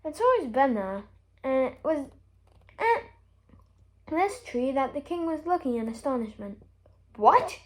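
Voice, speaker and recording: High-pitched, very animated woman reading a storybook. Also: measured pace, long pauses. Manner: expressive, emphatic storytelling. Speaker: story reader. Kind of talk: children's storybook read aloud.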